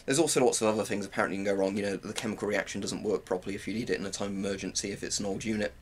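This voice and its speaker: In a lowish, fairly even voice, a British man in his twenties races along, rambling informally while demonstrating gear for a military gear review. The setting is a small, cluttered room at home, and the recording is clearly noisy.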